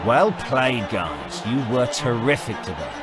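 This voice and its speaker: An actor playing a determined, encouraging cricket team coach in a video game, speaking in emphatic, rehearsed lines. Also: male voice, mid-range voice, very animated, measured pace. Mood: rousing. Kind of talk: scripted motivational speech and press answers. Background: music.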